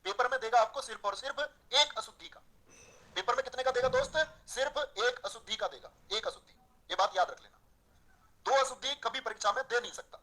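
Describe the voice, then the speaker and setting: A man teaching Hindi grammar in an online class, correcting students' sentences in an animated way and speeding up when he gets excited. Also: extremely high pitch, rough recording. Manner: animated, fast when excited, addresses students as dear kids.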